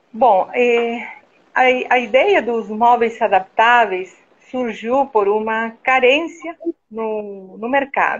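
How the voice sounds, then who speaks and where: With an Argentine accent, a woman speaks at a very slow pace with ordinary pitch variation. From Argentina, Buenos Aires. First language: Spanish (speaking Portuguese). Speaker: architect and interior designer. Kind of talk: interview.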